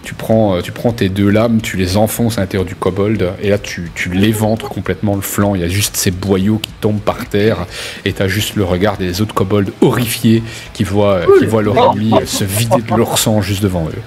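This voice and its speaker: A man's voice: lowish voice, steady tone, moderate pace, a little mellow, soft background music. A man running a tabletop role-playing game, narrating in an informal, hesitant but vivid way. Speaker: game master.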